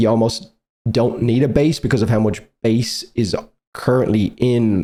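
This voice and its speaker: The man's tone is dark and mellow. He keeps a moderate pace. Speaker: music reaction youtuber. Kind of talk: casual music review commentary. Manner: slightly slurred speech.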